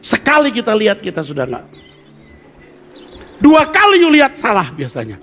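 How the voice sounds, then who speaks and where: Animated older male preacher. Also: sits high, normal speed. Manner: animated, joking with the congregation, acting out quotes. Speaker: pastor. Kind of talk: sermon. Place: church service.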